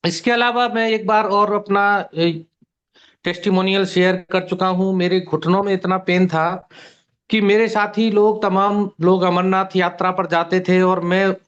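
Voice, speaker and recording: A man in his fifties from near Gwalior, giving a steady, detailed personal testimony on a video call. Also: sits high, unhurried. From India, near Gwalior. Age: 50s. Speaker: testimonial guest. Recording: muffled online call audio.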